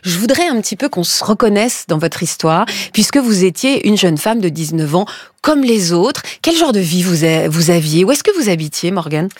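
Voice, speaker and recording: A woman's voice: fairly low pitch, animated, normal speed, dry recording, clean studio sound. A woman hosting a live radio interview show, telling stories in an engaging way. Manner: engaging storytelling delivery. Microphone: studio microphone.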